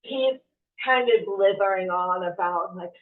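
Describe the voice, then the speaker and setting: A woman's voice: mid-range voice, measured pace. A woman narrating a tabletop game as game master, hesitant with many ums and uhs. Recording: distant, echoey, phone-like audio.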